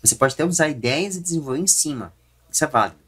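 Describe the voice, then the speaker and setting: A man with a Brazilian accent gives opinion commentary as a YouTube host, explaining in a halting way and often correcting himself. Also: fairly high pitch, expressive, fairly bright tone, husky.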